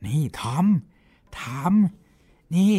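A woman's voice: very slow, warm tone. A woman voicing a worried younger boy who pleads anxiously, in an audiobook. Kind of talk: audiobook role reading.

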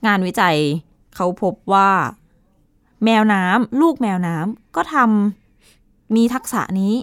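A woman co-host telling a science news story in a relaxed, chatty radio conversation, with playful asides. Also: slow, no echo, clean studio sound. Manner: chatty, explains with playful asides and pitch swoops.

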